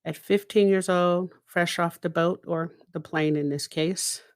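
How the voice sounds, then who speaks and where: A middle-aged woman whose first language is Hebrew speaks in a fairly low register. Her delivery is very slow and deliberate, with pauses placed for effect. She sounds like a podcast host giving a reflective personal monologue, dropping in small rhetorical asides. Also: steady tone, no room sound, clean studio sound. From Israel.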